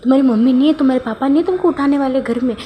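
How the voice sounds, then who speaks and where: A woman's voice: mid-range voice, flat delivery, warm tone, close to an everyday voice. A woman voicing a short-tempered young male boss who rants and scolds. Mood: furious. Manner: scolding, rapid ranting.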